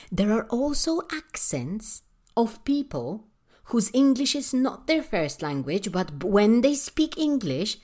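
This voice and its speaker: A woman from Poland with a Polish accent, hosting a podcast and delivering a passionate, emphatic monologue full of rhetorical questions and fillers. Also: medium pitch. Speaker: podcast host and English teacher trainer.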